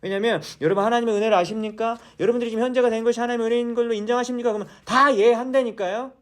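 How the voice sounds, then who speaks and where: A man's voice: very high-pitched, steady tone, very fast. A male pastor preaching a sermon in a church, asking the congregation questions and then answering them himself.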